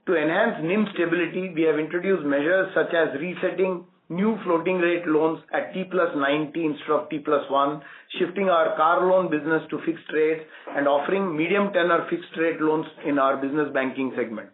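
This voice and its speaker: A man with an Indian accent, a bank executive formally reading prepared results on an earnings conference call. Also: fairly high pitch. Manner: formal, measured corporate reading. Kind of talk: scripted earnings call presentation. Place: conference call over phone. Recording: tinny, roomy phone line with static.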